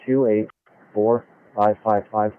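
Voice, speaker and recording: A man's voice: on the low side, flat delivery, slow, clear, resonant tone, dry recording. Man on a crackly police radio. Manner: terse, code-like phrasing. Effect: police radio transmission. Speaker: police officer on patrol. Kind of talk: clipped police radio traffic. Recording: narrow phone-like radio band.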